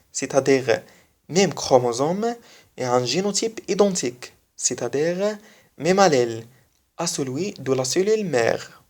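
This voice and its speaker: A speaker whose first language is not French, giving a biology lesson online and repeating key phrases slowly for emphasis. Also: mid-range voice, a little mellow. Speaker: biology video teacher.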